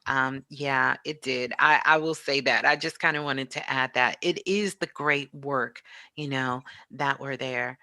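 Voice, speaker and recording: A woman with a very low, bright, forceful voice talks casually as a show host. She speaks reflectively, often circling back and repeating words as she gathers her thoughts. The sound is dry and close. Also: steady tone, a little slow, dry recording. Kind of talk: casual reminiscing chat.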